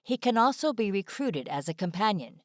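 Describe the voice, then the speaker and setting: A woman's voice: medium pitch, very animated, normal speed, no echo. A woman reading scripted informational narration as a studio-style voice-over. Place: dry studio-like voice-over recording.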